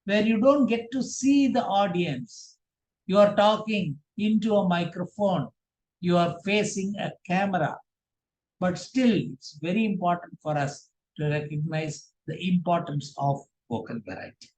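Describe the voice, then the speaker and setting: A man presenting a prepared workshop as a public speaking trainer, in a measured, emphatic, didactic manner. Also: sits high, a little mellow, low-quality recording.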